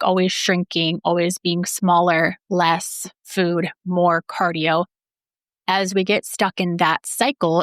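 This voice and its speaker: A woman hosting her own podcast in casual solo talk, her voice a little raspy today, chatty and rambling, swearing freely. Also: fairly low pitch, fairly bright tone, no room sound, studio quality. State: slightly raspy voice. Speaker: podcast host and personal trainer.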